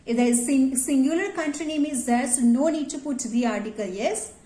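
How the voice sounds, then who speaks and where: A woman's voice: high-pitched, fairly quick, mellow, echoey room. A woman teaching grammar to schoolchildren, often checking in with "yes" and calling on the students. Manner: addresses students directly, repeats "yes" as a check. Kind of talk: classroom grammar lesson.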